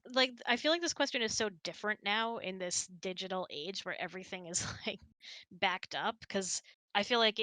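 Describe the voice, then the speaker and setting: Her medium-pitched voice sounds pushed and bright, with no echo. She's hosting a relaxed online hangout, chatty and self-deprecating, working through audience questions out loud, recorded on a close mic over voice chat.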